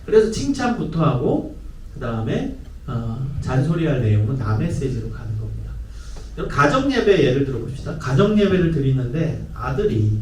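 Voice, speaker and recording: A man's voice: a little high, far from the mic. Man, middle-aged, church parenting lecture, quizzes the audience, acts out quotes, echoey hall, faint hum. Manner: lively, asks the audience questions and acts out quoted speech. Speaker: guest lecturer, professor. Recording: roomy hall, voice a bit off the mic, faint background hum.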